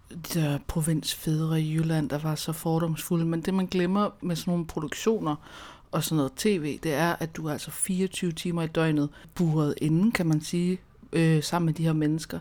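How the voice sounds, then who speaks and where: On a very clean recording with a silent background, a woman speaks at a moderate pace in a fairly low, dark, mellow tone with monotone, flat intonation. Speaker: podcast host. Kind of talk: casual chat.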